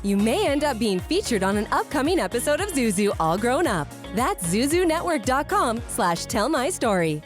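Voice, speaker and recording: A woman's voice: fairly high pitch, sing-song, moderate pace, hardly any pauses. A woman announcer reading scripted promotional narration for a show. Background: music.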